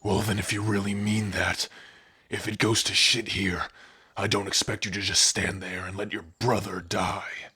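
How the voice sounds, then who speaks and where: A man voicing a gruff, protective orc warrior with a raspy voice in an ASMR roleplay. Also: on the low side, level tone, normal speed, bright, forceful tone, no room sound, studio quality, full character voice. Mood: menacing, defiant. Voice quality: raspy, husky. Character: gruff, protective young male orc warrior, devoted to spouse.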